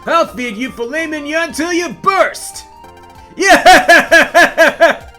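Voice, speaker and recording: A woman voicing an excitable, big-hearted young friend in a game story, with a gushing, emotional, high-energy delivery. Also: extremely slow, faint music behind, heavily acted. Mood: overjoyed.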